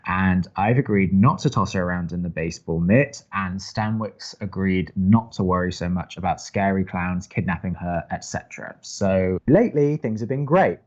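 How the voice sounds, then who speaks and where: A man acting as a young college radio co-host, dry, skeptical and sarcastic, with halting delivery in an audio drama. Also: sits low, muffled recording. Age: young adult. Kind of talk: naturalistic audio drama banter.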